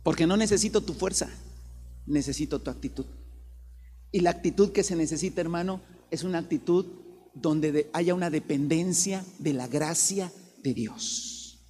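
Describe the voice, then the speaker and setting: A man preaching a sermon in a high voice, acting out quoted voices and dropping to soft low passages between bursts of emphasis. The sound rings with long reverb over faint room noise. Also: normal speed. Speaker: pastor.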